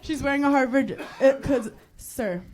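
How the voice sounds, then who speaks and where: A woman from New York doing stand-up crowd work, teasing audience members in brash, rapid banter on a club stage. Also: high voice, a little mellow. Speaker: stand-up comedian. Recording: live club with crowd laughter.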